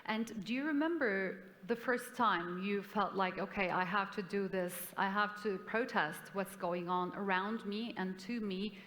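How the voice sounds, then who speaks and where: A woman's voice: medium pitch, a little slow, few pauses, fairly bright tone, slight background noise. A woman moderating a forum panel, encouraging and effusive with her guests. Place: large conference hall. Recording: hall reverb, stage mic.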